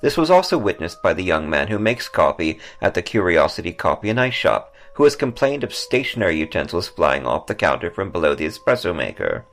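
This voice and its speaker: A man's voice: low-pitched, very animated, fairly quick, hardly any pauses, fairly bright tone. A man hosting a podcast, reading scripted ghost stories and travel notes over music. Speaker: podcast host and author. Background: background music.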